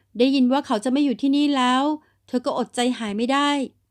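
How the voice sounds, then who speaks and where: The voice belongs to a woman with a high pitch. The recording is very clean, with a silent background. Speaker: audio novel narrator and author. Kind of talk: romance audio novel reading.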